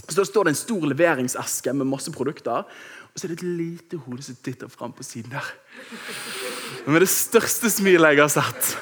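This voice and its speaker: A man in his thirties preaching a sermon, telling a personal story with lively, acted-out moments. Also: on the high side, husky. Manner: lively storytelling, acts out shouting.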